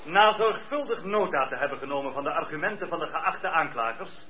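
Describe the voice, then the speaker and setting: An actor playing a firm, impartial presiding judge in a radio drama, speaking in formal, measured official phrases. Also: male voice, a little high, expressive, over a noisy crowd, lightly acted. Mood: formal ruling. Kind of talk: Dutch radio play acting. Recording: roomy, dull radio play recording.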